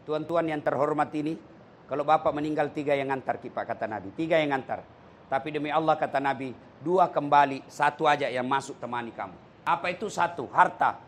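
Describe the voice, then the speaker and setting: A man's voice: a little high, fairly quick, a little hiss or hum. A male preacher giving a sermon full of stories and rhetorical questions to the congregation. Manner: animated storytelling, rhetorical questions to the audience.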